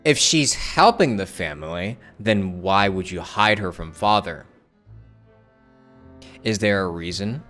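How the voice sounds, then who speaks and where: Lively, rambling young male streamer. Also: sits low, a little slow, pauses often, faint music behind. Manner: casual, rambling, lots of fillers. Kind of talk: live game commentary.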